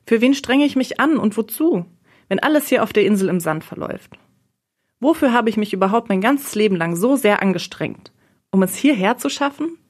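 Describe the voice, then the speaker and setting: A woman's voice: mid-range voice, lively intonation, moderate pace, breathy edge. A dutiful, stressed young woman in a storybook reading, voiced by the narrator. She answers defensively and grows indignant. Her inner thoughts come out brooding. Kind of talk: audiobook role reading.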